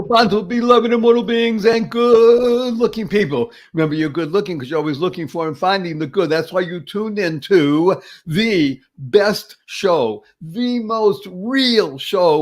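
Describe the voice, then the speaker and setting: A man's voice: sits high, darkish tone. A man hosting an online talk show in a showy, upbeat style, stringing together alliterative praise.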